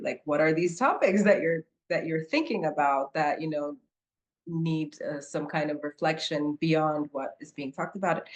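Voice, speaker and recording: A woman co-hosting a podcast, searching for words with many fillers. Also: low voice. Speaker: podcast co-host. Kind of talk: casual conversational podcast.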